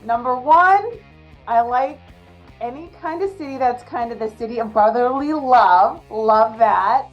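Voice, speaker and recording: A woman's voice: on the high side, measured pace. A woman giving a casual on-camera answer, counting off points, in a slightly muffled recording. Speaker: interviewee giving a prediction. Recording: slightly dull sound over music.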